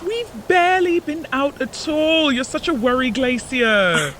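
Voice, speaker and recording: A carefree palace servant with a high voice and an unhurried, slow pace. The servant rambles breezily and forgetfully, as in a fantasy audio drama. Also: male voice, animated, background noise. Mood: breezy, teasing.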